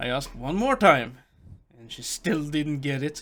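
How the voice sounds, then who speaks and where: A man with a Norwegian accent speaks at a fairly high pitch with lively intonation. The recording is very clean, with a silent background. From northern Norway. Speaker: podcast co-host. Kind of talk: casual chat. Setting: studio.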